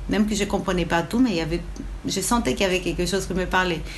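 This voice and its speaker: The voice comes in a Portuguese accent. Noticeable background noise and audible room echo surround it. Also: woman. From Brazil, São Paulo. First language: Portuguese (speaking French). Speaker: cook and Ayurveda teacher. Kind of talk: interview. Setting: at home. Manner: halting.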